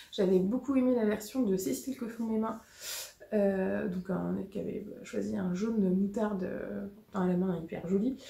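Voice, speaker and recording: A woman's medium-pitched voice moves at a fairly slow pace, with ordinary pitch variation. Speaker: knitting podcaster. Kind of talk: casual monologue podcast. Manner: hesitant with many fillers.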